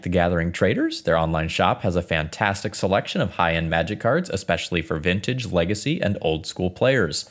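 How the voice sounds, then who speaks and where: Deep, lively-voiced male podcast host. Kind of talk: casual podcast talk and ad reads.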